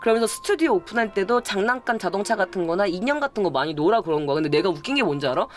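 A woman's voice: mid-range voice, expressive, rapid-fire, a little hiss or hum. A young woman chattily telling a true ghost story, acting out the gasps and voices of the people she describes. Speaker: YouTube storyteller. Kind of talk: casual spoken ghost story.

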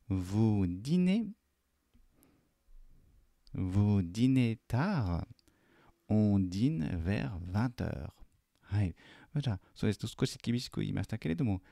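A man teaching French in a lesson video, patiently correcting a student's homework and repeating French phrases slowly and carefully. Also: fairly low pitch, creaky, dark tone, no room sound, studio quality.

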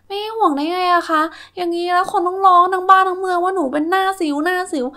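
A woman's voice: extremely high pitch, steady tone, fast talker, bright, forceful tone, exaggerated voice. A woman voicing a whiny, dramatic young schoolgirl doll in a children's toy story. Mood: panicked, whining. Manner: exclaiming, complaining, melodramatic.

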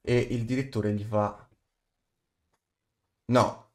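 A man's voice: medium pitch, steady tone, extremely slow. A man, talking casually and bluntly to camera in colloquial, sweary language. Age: 20s. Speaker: YouTuber, aspiring voice actor. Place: small bedroom, indoors. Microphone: studio condenser mic on desk.

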